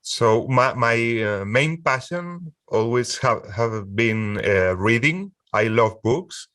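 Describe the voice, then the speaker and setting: A Spanish man in his forties, a music producer speaking English as a second language in a casual interview, halting with frequent restarts and easy laughter. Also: medium pitch, expressive, fairly bright tone, dry recording, studio quality, far from the mic. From Spain.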